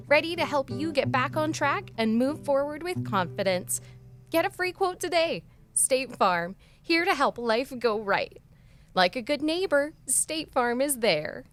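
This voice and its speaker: High-voiced woman reading a radio commercial. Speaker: sponsor ad announcer. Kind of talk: scripted radio commercial read. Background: guitar music.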